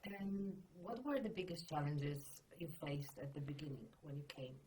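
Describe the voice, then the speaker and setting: A woman's voice: low-pitched, expressive, normal speed, dark tone, husky. A woman interviewing students with brief, prompting questions.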